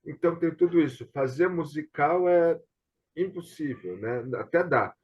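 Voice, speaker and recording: A man's voice: on the high side, lively intonation, moderate pace, a little mellow, breathy edge. Brazilian man, dull video-call sound. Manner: explanatory, often seeking agreement with tag questions. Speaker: host and theatre director. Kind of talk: casual online discussion.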